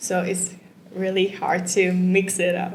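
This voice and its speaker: A woman speaks at a very slow pace. Audible room echo and noticeable background noise are present. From Vietnam. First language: Vietnamese. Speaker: test candidate. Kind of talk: exam speaking test. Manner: halting.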